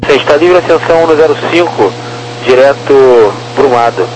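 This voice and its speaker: A man's voice: medium pitch, expressive, normal speed. Noisy radio, Brazilian male air traffic controller. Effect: two-way radio. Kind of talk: procedural radio instructions, like police radio. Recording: noisy, humming airband radio.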